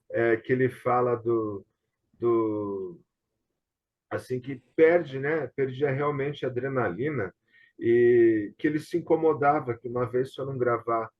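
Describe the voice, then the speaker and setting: A Brazilian man hosting a casual online conversation, telling anecdotes in a rambling way with frequent tag questions. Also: medium pitch. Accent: Brazilian Portuguese. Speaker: host of an online tribute talk. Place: online video call. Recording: dull, lo-fi video call audio.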